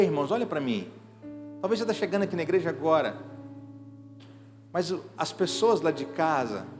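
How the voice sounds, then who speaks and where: A middle-aged man, preaching an evangelical sermon in emphatic bursts that swing between hushed and loud. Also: a little high. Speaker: pastor. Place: church sanctuary. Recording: reverberant hall with faint music behind.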